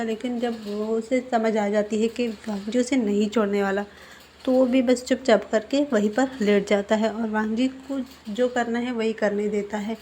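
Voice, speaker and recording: A woman retells a fan-fiction story in a chatty, casual tone, full of fillers and restarts. Her voice is fairly high. Faint noise hums underneath. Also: mellow.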